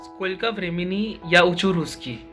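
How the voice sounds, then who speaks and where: A man's voice: high voice, normal speed, a bit bright, soft background music. A man from India with an Indian accent, a guest answering interview questions carefully in a language he has learned. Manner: careful, thoughtful, a little formal. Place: online call.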